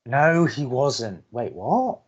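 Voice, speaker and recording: A man's voice: mid-range voice, big pitch swings, slow, husky, exaggerated voice. A young college radio advice host in an audio drama. He is earnest and easily exasperated, with emphatic, very varied intonation. The audio is a little muffled. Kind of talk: bantering audio drama dialogue.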